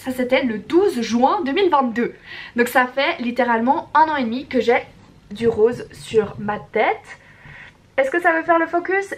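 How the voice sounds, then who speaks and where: A high-pitched woman with a slight Vaud accent talks at a fairly slow pace with lively intonation. Long, frequent pauses break up her speech. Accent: slight Vaud Swiss French. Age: 20s. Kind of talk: casual talk to camera. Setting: home, no external microphone.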